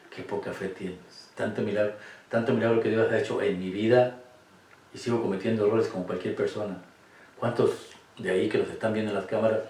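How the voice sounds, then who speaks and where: A man with a low, darkish voice leads a Catholic Bible study in a room with cameras, speaking emphatically and throwing rhetorical questions at his listeners. The mic is distant and the room echoes.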